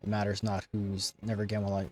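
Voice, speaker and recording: A man's voice: fairly low pitch, monotone, quick pace, natural voice. Man playing an arrogant ancient undead lich king. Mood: bitter, disdainful. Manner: haughty, formal, archaic speech. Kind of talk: reading game dialogue in character.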